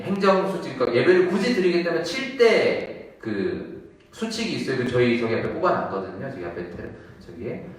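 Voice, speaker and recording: A man preaching a Sunday sermon, telling the story vividly and acting out the voices, rising loud and dropping soft. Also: mid-range voice. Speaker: pastor. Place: church sanctuary. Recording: echoey church from a distance.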